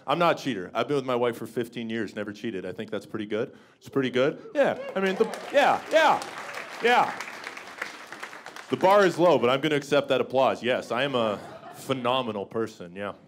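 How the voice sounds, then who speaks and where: A deep-voiced man in his thirties, from Canada, works a small comedy club stage through a handheld microphone. His delivery is wry and self-mocking, and he swings now and then into bursts of mock bluster. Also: lively intonation, moderate pace, some chatter behind. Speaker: stand-up comedian. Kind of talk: stand-up comedy set.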